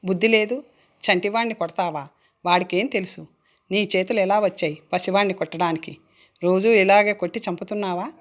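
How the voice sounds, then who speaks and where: A woman's voice: mid-range voice, close to an everyday voice. A woman voicing a protective young working mother rebuking someone sharply. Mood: angry. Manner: rebuking, fast.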